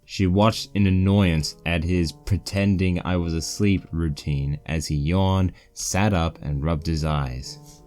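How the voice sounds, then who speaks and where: A man's voice: low voice, fairly even intonation, slow, darkish tone. A man reading a fan fiction story aloud as scripted narration. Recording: poor-quality mic with music bed.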